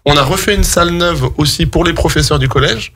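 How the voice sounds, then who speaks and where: A man with a French accent explaining things in a radio interview, in a hesitant, halting way. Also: a little high, a bit bright. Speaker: guest, public sports facilities staff.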